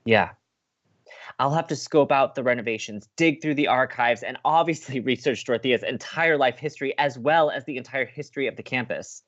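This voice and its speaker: A man's voice: medium pitch, fairly quick, a bit bright, highs cut off, lightly acted. Man playing earnest, idealistic young radio co-host. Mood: preoccupied. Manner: sincere, determined, dreamy. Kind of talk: naturalistic audio drama acting.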